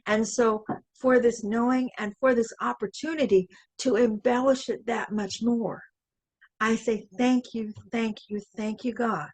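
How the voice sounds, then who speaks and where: Slow, deliberate woman minister in prayer. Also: on the high side, steady tone, a little mellow, low-quality recording. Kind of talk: spoken affirmative prayer.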